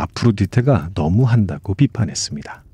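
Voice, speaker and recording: At a moderate pace, a man with a fairly low pitch and a somewhat breathy, dark, mellow tone speaks with lively intonation in a calm, soothing tone, the sound dry and close with no echo. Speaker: audiobook narrator reading a book aloud. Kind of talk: sleep story audiobook narration. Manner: soft, calm, soothing.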